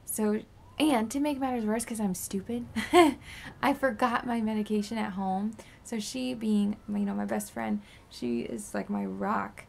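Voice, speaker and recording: Brief: worn-out twenties woman, heavy vocal fry, raspy sore throat, rambling vlog update. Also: medium pitch, steady tone, a little slow. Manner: rambling, drifting into soft whispers. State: tired and sore after surgery. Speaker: beauty vlogger. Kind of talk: casual post-surgery update vlog.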